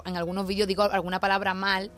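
A woman's voice: medium pitch, little pitch movement, fast, a bit bright, a little hiss or hum. A woman with an Andalusian accent, a makeup influencer, chatting spontaneously as a guest on a radio interview. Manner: spontaneous, chatty, laughs easily.

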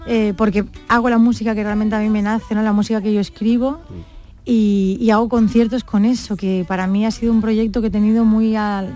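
A woman's voice: mid-range voice, flat delivery, a little fast, soft background music. A woman in her thirties from Barcelona, a singer answering radio interview questions in a thoughtful way, often ending with a questioning tag. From Barcelona, Spain. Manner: thoughtful, warm, frequent "¿no?" tags. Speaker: singer guest.

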